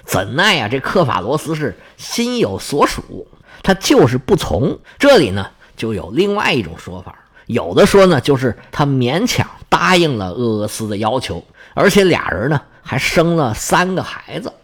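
A man's voice: medium pitch, very animated, normal speed, fairly bright tone, breathy edge. A man telling myths in a folksy, chatty storyteller's way, with asides to his listeners.

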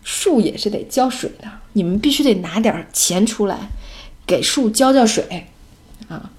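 A woman voicing her young son, a shrewd schoolboy who reasons things out loud and bargains cheekily. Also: high-pitched, animated, unhurried. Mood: bargaining.

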